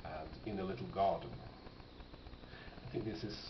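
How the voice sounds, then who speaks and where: A man's voice: sits low, steady tone, moderate pace. A man giving casual, off-the-cuff commentary as he presents a collection, musing aloud and often questioning himself. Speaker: record collector presenting finds. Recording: dull lo-fi, noisy, roomy sound.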